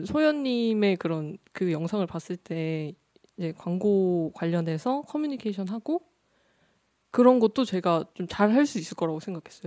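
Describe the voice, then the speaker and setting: A dark, mellow tone with lively intonation at a moderate pace, dry and close with no echo, on a very clean recording with a silent background. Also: woman. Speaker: studio manager. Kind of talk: casual chat. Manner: trails off, hesitant.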